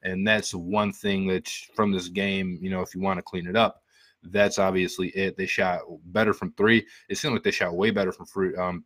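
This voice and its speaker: Young American man, flat low-key sports talk. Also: dry recording. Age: 20s. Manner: rambling, conversational. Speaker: sports show host. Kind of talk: casual sports commentary. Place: small room at home. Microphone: desktop microphone up close.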